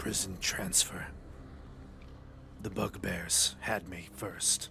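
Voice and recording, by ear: A put-on character voice delivers its lines at a very slow pace. Clear background noise runs underneath. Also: man, very deep, low pitch for a man.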